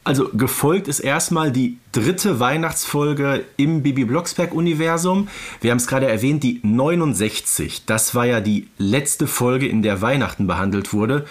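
A man's voice: medium pitch, moderate pace. Man in casual podcast review chat. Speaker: podcast co-host. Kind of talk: casual review chat about audio drama episodes.

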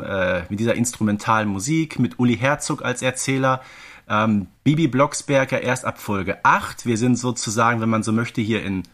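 A man's voice: medium pitch, fairly bright tone. A man presents as a podcast co-host. His mid-range voice carries casual, informative commentary, laid out methodically point by point.

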